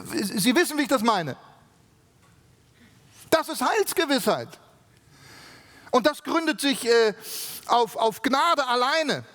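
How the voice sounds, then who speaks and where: A man's voice: high-pitched, fairly bright tone. A man from Germany preaching a sermon with emphatic rhetorical questions and frequent tag questions, in a large conference hall. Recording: long reverb of a large hall.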